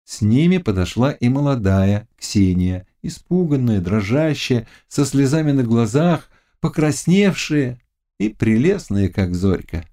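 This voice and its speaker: A man reads a classic novel aloud as an audiobook, delivering it in an expressive, dramatic style. His voice is mid-range and his pace unhurried.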